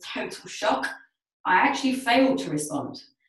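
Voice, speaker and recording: Audible room echo surrounds a woman's high voice. She moves at a fairly quick pace with very wide pitch swings. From England, Essex (Gants Hill, east London). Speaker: magazine co-founder. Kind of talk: casual chat.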